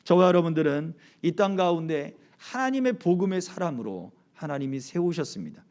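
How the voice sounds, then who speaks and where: A male pastor gives a Sunday sermon in a fairly high, sing-song voice that is brisk and darkish in tone. He preaches with animation, asks the congregation questions, and leads them in reading aloud together.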